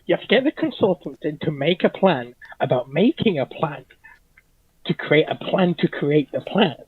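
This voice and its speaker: A man's voice: fairly high pitch, lively intonation, moderate pace, husky, no room sound. A man chipping in with casual banter as a panellist on a livestream, over a slightly dull connection.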